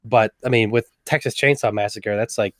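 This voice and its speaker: A man's voice: fairly low pitch, steady tone, a little fast, fairly bright tone, no room sound, studio quality. A young man from West Virginia, chatting as a podcast guest in a rambling, enthusiastic way. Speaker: guest, slasher fan. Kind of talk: casual podcast chat.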